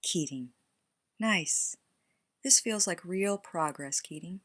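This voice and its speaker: A woman's voice: on the low side, slow pace, fairly bright tone. A woman playing a pedantic, earnest, anxious college student in an audio comedy, with a precise, wordy way of talking. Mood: sincere, pleased. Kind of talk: audio drama romantic comedy dialogue.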